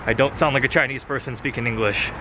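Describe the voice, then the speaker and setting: A young man from the United States films a laid-back car-spotting vlog on his handheld camera mic, walking city streets and browsing shops while chatting and pointing things out. The recording is very noisy. He talks fast at a medium pitch with a steady tone.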